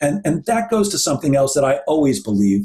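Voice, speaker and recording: A man with an American accent talks at a fairly quick pace in a dark, mellow, somewhat breathy tone. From US Midwest, Chicago. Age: 60s. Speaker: sales coach. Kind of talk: interview.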